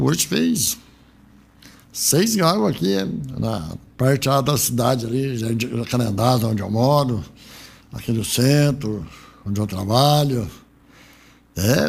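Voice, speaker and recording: A man's voice: medium pitch, vocal fry, breathy edge. A middle-aged man from Brazil hosting a local radio show, chatting loosely about football with frequent rambling asides. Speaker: radio host. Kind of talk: casual radio sports chat. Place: radio studio.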